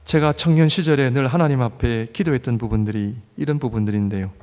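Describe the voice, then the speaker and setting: A man preaching a sermon as pastor, swinging from loud impassioned pleading to low, measured scripture reading. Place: church sanctuary. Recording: long church hall reverb.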